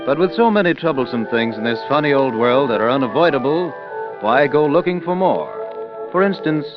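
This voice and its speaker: Persuasive old-time radio announcer man. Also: mid-range voice. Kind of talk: scripted radio advertisement. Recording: dull old radio recording with music.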